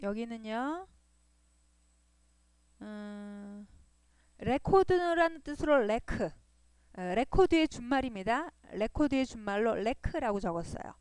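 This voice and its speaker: A high-voiced woman walks through a coding lesson, her pitch rising and falling a lot as she explains. She repeats each point patiently and keeps checking in with her listeners. Her voice is smooth and clear, recorded close and dry. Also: lively intonation, slow, pauses often, a little mellow, no room sound. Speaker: web design instructor. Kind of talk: screen-recorded coding tutorial.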